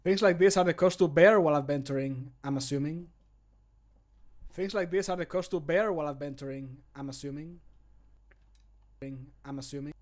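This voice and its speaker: A man's voice: fairly high pitch, normal speed, long pauses, close to an everyday voice. A man voicing a wry fantasy game adventurer, theatrical and projected, recorded close to the microphone. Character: wry male fantasy game adventurer cracking bear puns. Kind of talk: video game voice line takes. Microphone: close studio microphone.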